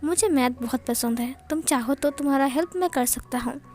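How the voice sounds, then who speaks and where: A relaxed, friendly young man who keeps his invitations light and easy, as a woman reads him. His voice sits high. It is read as an amateur fan-fiction story. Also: fairly quick, slight background noise, close to an everyday voice.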